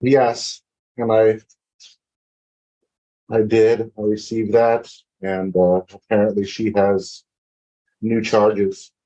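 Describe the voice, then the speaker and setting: A male officer gives witness testimony in a courtroom recording. His voice is on the low side and very mellow, and his answers are brief and factual. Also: level tone, slow, long pauses, dull audio.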